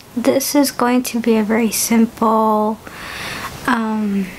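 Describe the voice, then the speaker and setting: A woman's high-pitched voice at a very slow pace, with noticeable background noise. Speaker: makeup tutorial creator. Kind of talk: casual makeup tutorial talk.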